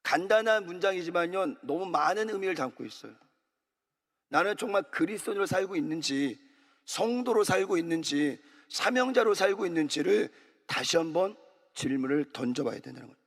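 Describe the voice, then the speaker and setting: A man's voice: high-pitched, animated, fairly quick. A man preaching an early morning sermon as pastor, exhorting the congregation and calling for amens and repeated phrases. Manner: exhorting, calls for amen and repetition. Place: large church sanctuary. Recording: long church hall reverb.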